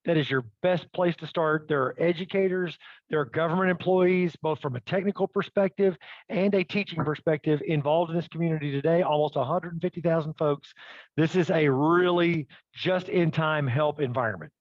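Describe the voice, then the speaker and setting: A man's voice: on the high side, moderate pace, no echo, lo-fi sound. A man presenting a live webinar demo, upbeat and checking in with the audience as he goes. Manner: upbeat, addresses audience with "okay?" and "right?".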